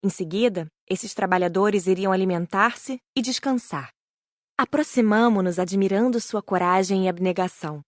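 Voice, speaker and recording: A woman's voice: mid-range voice, normal speed, no room sound, studio quality. A woman with a Brazilian accent reading a scripted first-person audiobook narration.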